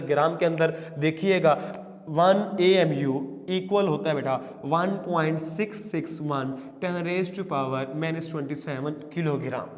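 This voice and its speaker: A male teacher gives a classroom lecture in a fairly high voice. He keeps asking his students questions and then answers them himself, and he slows down to dictate definitions word by word. The reverberant room carries a long echo behind him. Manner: addresses students as "beta", asks and answers own questions.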